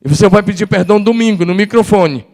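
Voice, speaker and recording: A male pastor voicing the Holy Spirit as a blunt, reproving divine voice in a sermon, raised in pitch and louder. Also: fast. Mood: rebuking.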